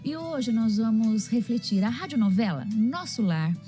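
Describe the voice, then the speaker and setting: Woman, Brazilian accent, higher-pitched, mellow, measured, formal religious programme host, faint music. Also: sing-song. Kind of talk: religious programme presenting, reading listener questions.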